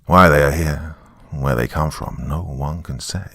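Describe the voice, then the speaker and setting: A man's voice: a bass voice, a little slow, bright, forceful tone, slightly rough, no room sound, clean studio sound, exaggerated voice. A man voicing a solemn Native American elder who gives a grave, portentous warning in a horror story. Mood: ominous. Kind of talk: dramatic reading in a horror story.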